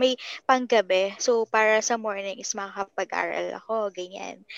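This woman has a plain, everyday voice, fairly high in pitch with ordinary pitch variation. She talks at a moderate pace in a dry, close sound with no echo. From Marikina, Metro Manila, Philippines. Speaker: podcast co-host. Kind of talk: casual chat.

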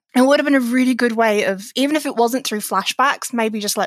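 In dry, close sound with no echo, a woman with a British accent speaks at a fairly high pitch with ordinary pitch variation. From UK. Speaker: gaming podcast host, guest. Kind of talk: casual chat.

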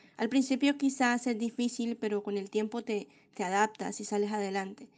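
Against a quiet background, a woman talks at a moderate pace with fairly even intonation. Hers is an unremarkable speaking voice. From Caribbean Colombia, Barranquilla. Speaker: podcast guest. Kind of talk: conversational interview.

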